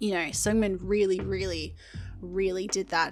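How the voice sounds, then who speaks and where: A woman talks at a moderate pace with an Australian accent. Music plays in the background. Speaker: K-pop reaction vlogger. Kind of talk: casual vlog talk to camera.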